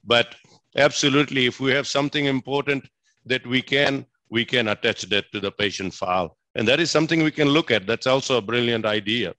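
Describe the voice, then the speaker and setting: A man's voice: medium pitch, brisk, bright, forceful tone, no echo. A man from Fiji speaking as a physician answering questions, enthusiastic and emphatic, often repeating himself. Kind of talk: spoken question-and-answer at a presentation.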